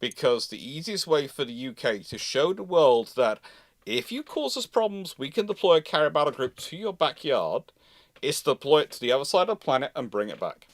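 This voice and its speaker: A British man hosting a live question-and-answer talk, explaining things with halting restarts and emphatic repetition. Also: fairly high pitch, sing-song, no echo. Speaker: host answering audience questions. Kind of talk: live Q&A, explanatory commentary on naval matters.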